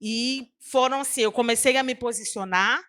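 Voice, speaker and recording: High, bright-voiced woman preacher. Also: normal speed. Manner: emotional storytelling that acts out the dialogue; preachy asides to the audience. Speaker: preacher giving her testimony. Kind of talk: testimonial sermon.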